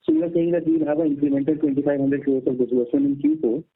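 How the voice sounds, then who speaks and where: A man's voice: medium pitch, wildly swooping pitch, rapid-fire, gravelly, slightly rough. A man asking a hesitant question on a conference call, his faint phone line sounding distant and cutting out. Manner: hesitant, many filler sounds. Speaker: analyst caller on an earnings call.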